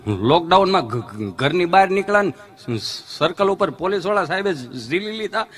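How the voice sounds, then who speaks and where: A man's voice: sits high, expressive, moderate pace, fairly bright tone. A man doing folksy stand-up storytelling in a Kathiawadi Gujarati accent, sing-song and full of dialect slang. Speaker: stand-up comedian.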